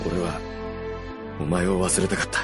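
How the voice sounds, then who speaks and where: An actor playing a gruff, proud undead warrior and brooding older brother in a Japanese radio drama. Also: male voice, deep voice, level tone, moderate pace, over music, natural voice. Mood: anguished brooding. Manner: brooding, rough-spoken, heartfelt.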